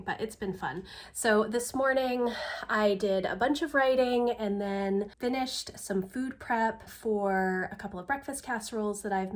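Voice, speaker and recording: Chatty middle-aged woman vlogger. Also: mid-range voice. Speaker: homeschooling mother and vlogger. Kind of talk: casual chatty daily vlog.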